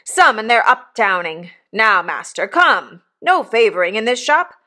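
A woman voicing a gruff, growling, quarrelsome young journeyman blacksmith with rustic working-class speech, in a storybook reading. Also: a little high, sing-song, unhurried, sharp tone, full character voice. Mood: surly, aggrieved.

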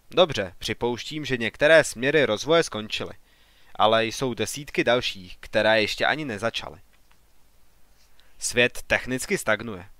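A man's voice: lowish voice, a bit bright, no echo. A man voicing an ambitious young man who argues earnestly and with growing irritation in an audiobook. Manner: earnest, argumentative.

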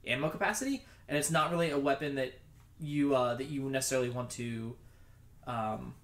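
A man's voice: mid-range voice, a little fast, fairly bright tone. A young man chatting casually as he plays a co-op video game, joking and swearing freely. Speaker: gamer in co-op play. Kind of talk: casual gaming chat. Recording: roomy, echoey voice recording.

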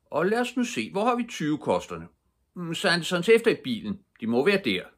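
An older man reading aloud, voicing a loud, jovial, portly police commissioner who shouts his orders heartily. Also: fairly high pitch, wildly swooping pitch, voice pushed up. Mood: hearty, commanding.

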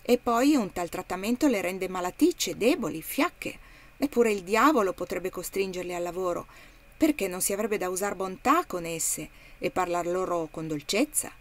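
A woman reading the part of a callous, smooth-talking male slave trader in a matter-of-fact, persuasive tone. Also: on the low side, animated, moderate pace, close to an everyday voice. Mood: smug.

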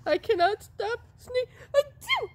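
A woman voicing an anxious young male elephant who keeps sneezing, in a high, squeaky, dramatic wail, read aloud for young children. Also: huge pitch swings, a little slow, a little hiss or hum, full character voice. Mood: distressed.

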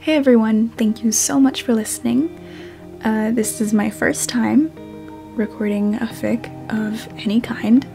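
A young woman speaking softly and unhurriedly, as an amateur reader of her own fiction. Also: on the high side, steady tone, unhurried, vocal fry, faint music behind. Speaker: fan fiction author and podfic reader. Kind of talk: audiobook-style story narration, then casual self-conscious chat.

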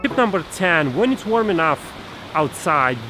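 A man's voice: sits high, very animated, over music, rough recording. A man in his thirties giving a photography tutorial to camera outdoors by a snowy forest stream, explaining step by step with fillers and restarts, filmed at arm's length. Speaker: photography instructor. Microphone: camera held at arm's length. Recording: outdoor recording with stream noise. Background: rushing stream water.

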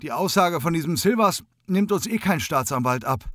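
A man voicing a young female police officer who talks briskly and matter-of-factly. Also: on the high side, lively intonation, a bit bright, no room sound, studio quality, voice pushed up.

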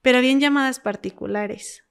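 Smooth-voiced Mexican woman telling stories. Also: high-pitched, fairly quick. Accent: Mexican Spanish. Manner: animated storyteller, quotes callers with dramatic whispers and pleas. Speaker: former emergency call operator. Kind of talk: conversational storytelling.

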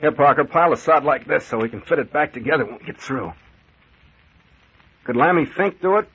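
An actor playing a tough, needling investigator captain in old-time radio drama, brusque and commanding. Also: male voice, on the high side, animated, brisk, a bit bright, husky. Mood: brisk, needling. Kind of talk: 1940s radio acting. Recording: dull, noisy old radio recording.

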